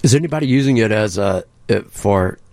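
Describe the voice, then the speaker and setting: A man's voice: lowish voice, animated, brisk, darkish tone. A man, a radio co-host, asking fumbling, hesitant questions. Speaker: co-host, sidekick. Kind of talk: casual radio talk. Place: radio studio.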